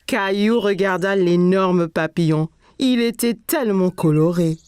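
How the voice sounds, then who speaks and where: A woman's voice: lowish voice, measured pace, darkish tone, clean tone, no room sound. A woman narrator reading a scripted children's story expressively, as if to small children.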